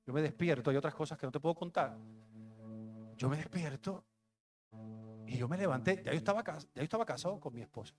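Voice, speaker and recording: A man's voice: fairly high pitch, quick pace, pauses often, faint music behind. A young adult man, a pastor, telling a personal testimony in a conversational, emotional sermon. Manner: conversational, emotional storytelling with street slang.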